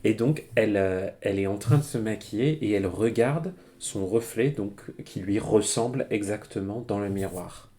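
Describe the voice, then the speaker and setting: A man's voice: on the low side, normal speed, few pauses, warm tone. A man giving a casual, chatty live-streamed language lesson, with many fillers and frequent laughs as he explains. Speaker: Japanese teacher. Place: home streaming setup.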